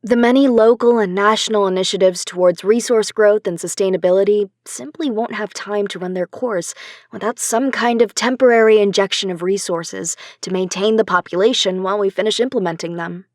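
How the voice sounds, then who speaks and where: Woman acting as a scientist guest on sci-fi radio news, mid pitch, calm articulate explainer, very dry studio sound. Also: brisk, dry recording, lightly acted. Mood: patient, explanatory. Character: composed female professor, expert guest on sci-fi radio news. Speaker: academic expert being interviewed. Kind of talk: scripted radio interview in an audio drama.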